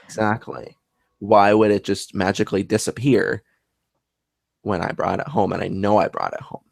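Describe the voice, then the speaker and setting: Gravelly low-voiced man, earnest. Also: flat delivery, moderate pace, dry recording, studio quality. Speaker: paranormal investigator. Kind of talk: casual conversation.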